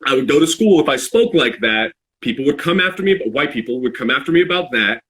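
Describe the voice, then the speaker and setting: A man in a casual, reflective podcast chat, halting as he searches for words. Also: mid-range voice, animated, a bit bright. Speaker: podcast speaker.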